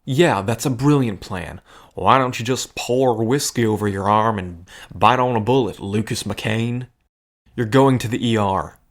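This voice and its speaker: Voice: mid-range voice, unhurried, lightly acted. A performer acting a protective, stubborn friend in an audio drama, speaking firmly with dry sarcasm and care. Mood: exasperated. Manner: firm, sarcastic, caring.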